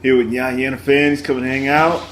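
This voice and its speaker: A man hosting a casual podcast, talking loudly and jokingly with frequent restarts. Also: medium pitch, flat delivery, background noise. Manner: loud, joking, halting with restarts. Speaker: podcast host. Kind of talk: casual chat.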